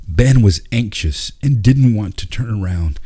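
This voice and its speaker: A man with a husky voice narrating a scripted story as a storyteller. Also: fairly low pitch, expressive, a little slow, dark tone.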